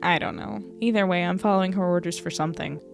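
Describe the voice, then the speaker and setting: A woman's voice: fairly low pitch, quick pace, creaky, music in the background. A woman playing a wry, troubled young reporter in an audio drama, speaking with dry, understated sarcasm. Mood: weary, musing. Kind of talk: audio drama acting, diary-like monologue and dialogue.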